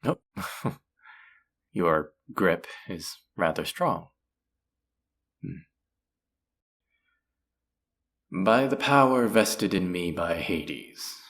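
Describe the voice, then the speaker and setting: Someone voicing a teasing demon dealer, deep n breathy, flirty and possessive, intimate roleplay style, takes their time. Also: heavily acted. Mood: teasing, challenging. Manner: teasing, taunting, slow and drawn-out. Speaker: voice actor in an audio roleplay.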